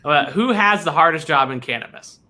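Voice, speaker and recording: A man with a bright, crisp voice hosts a casual interview. He keeps things relaxed and loose, quick to joke and laugh with his guest. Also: on the high side. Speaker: interview host.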